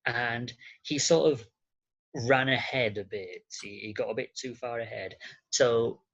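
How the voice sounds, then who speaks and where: A slightly dull, lo-fi recording of a man. He speaks as a podcast guest at a middle pitch, casual and hesitant, often halting to find his words. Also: a bit bright. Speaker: podcast guest, care worker. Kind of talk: casual interview answers.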